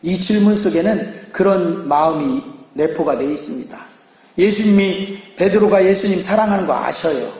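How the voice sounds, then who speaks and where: A high-pitched man preaching a sermon, his voice ringing through a church hall with a long echo. He speaks with emphatic fervor and acts out the lines he quotes. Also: lively intonation, normal speed, a little mellow. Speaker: pastor.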